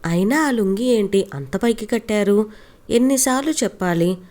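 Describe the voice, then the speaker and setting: A woman voicing a loud, sarcastic young daughter-in-law who scolds her in-laws. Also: mid-range voice, animated, moderate pace, close to an everyday voice. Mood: scolding.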